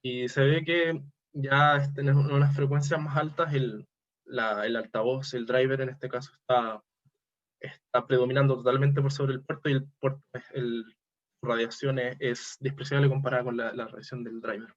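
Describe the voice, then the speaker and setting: Halting man presenting, dull lo-fi sound. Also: medium pitch, fairly even intonation. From Chile. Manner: halting, self-correcting, hesitant delivery. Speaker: academic presenter. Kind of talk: technical conference presentation over slides.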